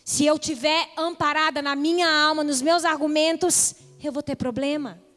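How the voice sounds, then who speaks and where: A woman's voice: high voice, fairly even intonation, normal speed, a bit bright, long reverb tail, soft background music. A young woman pastor preaching a sermon with impassioned, rising repeated calls.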